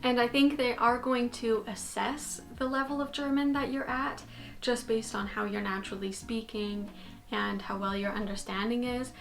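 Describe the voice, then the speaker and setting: This casual bedroom vlog features a chatty young woman from Canada whose voice sits on the high side at a normal speed. She gestures animatedly while a fixed camera records her from desk distance indoors.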